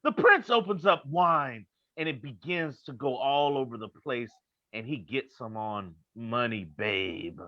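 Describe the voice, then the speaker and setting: A man's voice: medium pitch, lively intonation, unhurried, no room sound. A man narrating stage directions in a scripted reading, recorded on a lo-fi microphone. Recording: dull lo-fi microphone.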